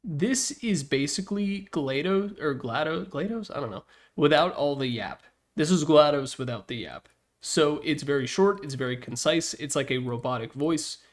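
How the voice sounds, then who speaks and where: A man's voice: fairly high pitch, animated, moderate pace. A young man giving casual, opinionated commentary on video games in an informal, slangy, joking way.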